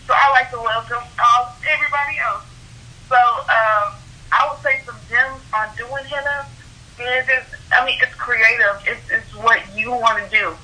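A young woman from Houston, a henna artist telling stories in a casual interview, animated and laughing often. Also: fairly high pitch, low-quality recording. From Houston, Texas. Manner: animated storytelling, quick laughs.

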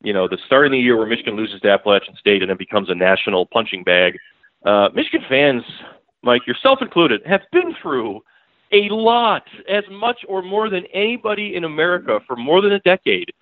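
A man's voice: mid-range voice, big pitch swings, a little fast, no echo. Blunt man on a tinny phone line. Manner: emphatic, blunt, repeats points. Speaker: newspaper beat writer, guest. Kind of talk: casual podcast interview.

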